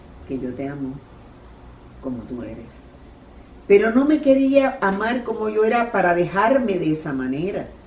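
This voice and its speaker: A woman speaks with very wide pitch swings, and room echo is audible. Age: 80s+. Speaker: pastor. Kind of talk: sermon with personal testimony.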